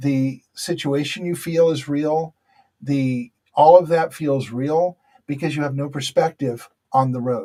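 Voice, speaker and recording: A man talks at a fairly slow pace in an ordinary speaking voice, fairly high in pitch with fairly even intonation. The sound is dry and close, with no echo. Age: 60s. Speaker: podcast host. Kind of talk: casual talk show monologue.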